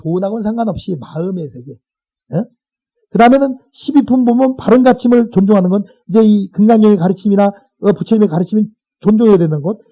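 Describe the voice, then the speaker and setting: A man's voice: sits high, quick pace. A man, a Buddhist monk, giving a colloquial sutra lecture to a class and often checking in with his listeners. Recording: dull lo-fi recording.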